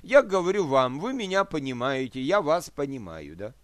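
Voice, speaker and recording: A man delivers a teaching sermon in a fairly high voice. He works through scripture with examples and rhetorical questions, often asking his listeners whether they follow. The recording is dry and close. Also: big pitch swings, normal speed, fairly bright tone, dry recording. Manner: asks listeners for agreement. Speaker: preacher.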